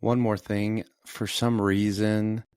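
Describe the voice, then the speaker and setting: A man hosting a podcast interview in an upbeat, enthusiastic way, heard through a low-quality earbud microphone. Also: flat delivery, takes it slowly, darkish tone, clean tone. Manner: upbeat, enthusiastic, repeats praise. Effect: low-quality earbud mic audio. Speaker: podcast host. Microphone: wireless earbuds mic. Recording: thin, distant earbud-mic recording.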